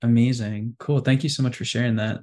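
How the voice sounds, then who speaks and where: A man hosting a podcast speaks in an even, flat tone with little rise and fall. He asks long, gentle questions and affirms his guest often. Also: mid-range voice, a little fast. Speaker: podcast host. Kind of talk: casual interview.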